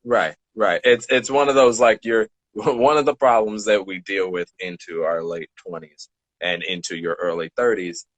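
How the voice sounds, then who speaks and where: A man's voice: low voice, steady tone, moderate pace, fairly bright tone, no echo, rough recording. A man in a casual podcast chat, explaining things in a rambling way and rephrasing as he goes. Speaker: podcast speaker.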